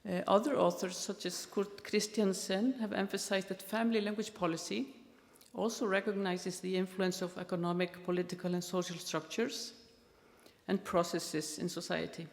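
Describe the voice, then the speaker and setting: A woman's voice: lowish voice, steady tone. Icelandic-accented woman in an echoing hall. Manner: careful, measured, with frequent fillers. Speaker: keynote speaker. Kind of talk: academic conference keynote. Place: large conference hall. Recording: long hall reverb.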